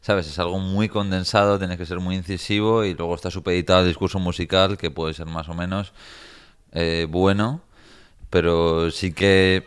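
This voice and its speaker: A man's voice: low voice, clear, resonant tone. A man speaking earnestly as an interview guest, explaining his points carefully.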